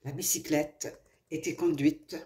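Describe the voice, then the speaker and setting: A woman from Morocco telling a children's tale expressively, with dramatic pauses and hushed phrases. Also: sits low, fairly even intonation. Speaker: storyteller.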